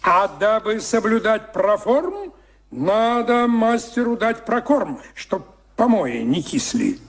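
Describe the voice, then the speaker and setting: A sly jester of a storyteller in a satirical verse radio play. His voice sits high and leaps about in a sing-song way, with a gravelly creak. He mocks as he rhymes, and music plays behind him. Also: very animated, slow, heavily acted. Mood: wry.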